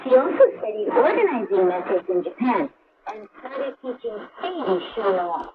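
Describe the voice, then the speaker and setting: A woman's voice: medium pitch, big pitch swings, normal speed. A woman from Hawaii co-hosting a radio program with upbeat scripted banter, heard over shortwave. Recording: tinny, noisy shortwave radio reception. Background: loud shortwave static.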